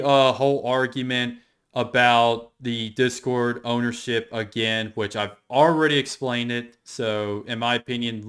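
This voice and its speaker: Clear-voiced man rambling through casual commentary. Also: mid-range voice, fairly bright tone. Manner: rambling and repetitive, restating his points. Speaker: YouTube commentator explaining online drama. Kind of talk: casual unscripted commentary going through screenshots.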